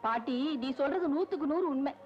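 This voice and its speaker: A woman's voice: sits high, lively intonation, fairly quick, faint music behind. A chatty matchmaking village woman. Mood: persuasive. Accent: Tamil. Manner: persuasive, chatty. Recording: dull old film soundtrack.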